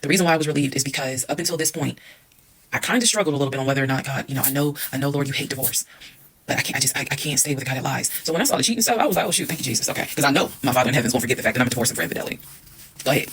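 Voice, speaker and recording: A woman's voice: extremely low pitch, racing, a bit bright, husky, poor audio. A woman telling a dramatic personal story straight to her viewers in a casual, emphatic storytime style.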